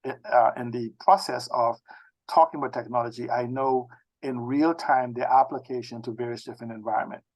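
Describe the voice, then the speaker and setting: A man in his sixties from the Bahamas with a Bahamian accent, talking as an interview guest in a halting, circling way with repeated phrases. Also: mid-range voice, steady tone, a little mellow, rough recording. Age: 60s. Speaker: interview guest, technology expert. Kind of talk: conversational autobiographical interview talk.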